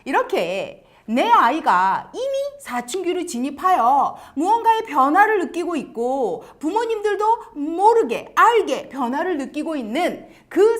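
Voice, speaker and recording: Brief: woman education lecturer, expressive storyteller with a very lively voice. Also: sits high. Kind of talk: lecture to parents.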